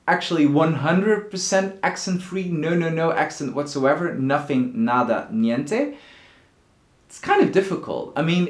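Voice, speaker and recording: Man teaching, echoey room. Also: a little high. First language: Dutch. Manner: thoughtful, repeats words while searching for phrasing. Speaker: Dutch language teacher. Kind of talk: casual explanatory talk to camera.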